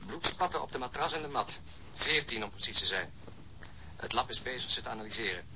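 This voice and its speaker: A matter-of-fact policeman in a radio crime drama. His mid-pitched voice is very bright and sharp, familiar yet questioning, with faint noise behind it. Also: animated, brisk. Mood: businesslike. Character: businesslike, questioning male police colleague reporting findings.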